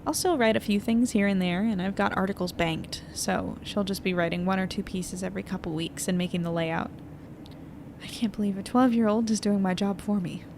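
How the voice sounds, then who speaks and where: A woman playing an anxious, weary young newspaper editor in an audio drama, confiding and hesitant as she thinks out loud. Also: medium pitch, fairly even intonation, brisk, natural voice. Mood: uneasy, doubtful. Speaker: lead narrator of an audio fiction podcast. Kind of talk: intimate naturalistic audio drama monologue. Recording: noisy airplane cabin ambience.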